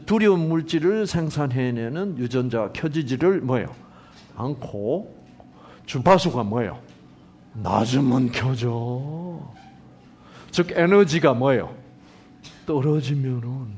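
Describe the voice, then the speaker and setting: A middle-aged man preaches in a lively, swooping voice that sits a touch high for a man. He keeps throwing questions at his listeners and answering them himself. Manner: animated, asks the congregation rhetorical questions. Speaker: pastor. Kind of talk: sermon.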